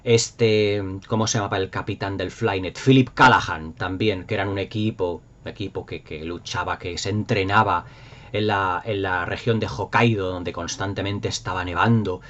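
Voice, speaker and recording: A dull, lo-fi recording of a middle-aged man with a fairly low voice and an accent from Spain. He talks as a host in casual, nostalgic commentary, rambling along with enthusiasm and leaning hard on his emphatic points. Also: steady tone, normal speed, fairly bright tone. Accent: Spanish from Spain. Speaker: YouTube host. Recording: dull lo-fi sound.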